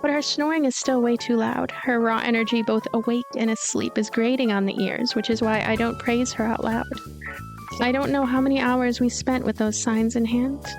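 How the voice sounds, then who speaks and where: A woman voicing a lonely, gloomy ghost girl who narrates her story in a deadpan, weary, introspective way. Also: on the high side, normal speed, music in the background, natural voice. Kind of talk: first-person story narration.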